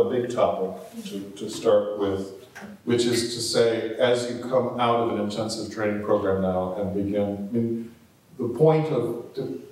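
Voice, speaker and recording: A man leading a theatre panel discussion, talking in a relaxed, halting way with many fillers. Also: fairly low pitch. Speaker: theatre company leader moderating a panel. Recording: echoey hall, mic far off.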